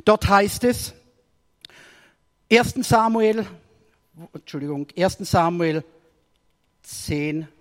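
A man preaching with a high voice that climbs for emphasis and drops low for quieter moments. The sound carries a long reverberant tail, as in a church hall. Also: takes it slowly, long pauses. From Germany. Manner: storytelling sermon with swings between raised emphasis and quiet asides. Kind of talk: sermon.

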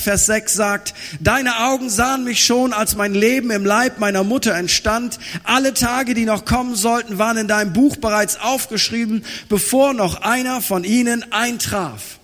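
A man delivers a sermon in a high, bright-sitting voice, animated as he plays out little dialogues. His voice rings with a long reverb from a large church hall. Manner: animated, acts out dialogue in the story. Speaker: pastor.

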